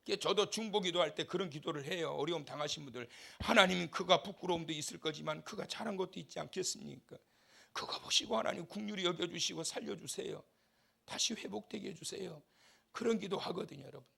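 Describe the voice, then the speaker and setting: A male pastor preaching a fervent revival sermon in a church, swinging from shouts to quiet asides and leading the congregation in call-and-response. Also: high voice, a little fast, creaky, husky. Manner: impassioned, shifts between shouting and soft asides. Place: church sanctuary.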